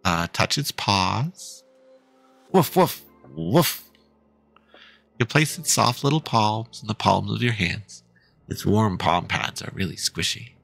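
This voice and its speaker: A man streaming a game, reading its dialogue aloud in a casual, playful way. His voice is bright and gravelly, with a lively rise and fall, over soft music. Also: lowish voice, measured pace.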